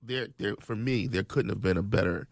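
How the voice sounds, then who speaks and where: Gravelly man, radio guest. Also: lowish voice, moderate pace, no echo, studio quality. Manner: earnest, many ums and restarts. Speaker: state legislator guest. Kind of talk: conversational radio interview. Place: radio studio.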